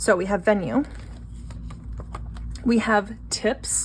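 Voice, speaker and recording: Noticeable background noise behind a speaker with an American accent. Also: woman. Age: 30s. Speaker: budgeting YouTuber. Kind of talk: casual vlog monologue. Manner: conversational with frequent fillers.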